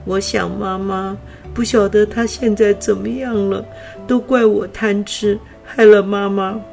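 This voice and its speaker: A woman's voice: medium pitch, steady tone, a little slow, vocal fry, darkish tone, faint music behind. A woman voicing an earnest, anxious young male black bear cub in a storybook, with a childlike, eager voice. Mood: sad. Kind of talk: storybook character voice.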